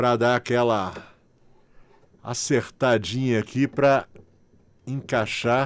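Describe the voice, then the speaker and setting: Very slow and broken by long, frequent pauses, a man's medium-pitched voice stays in a monotone, flat intonation. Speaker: refrigeration instructor. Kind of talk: tutorial. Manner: casual; soft-spoken.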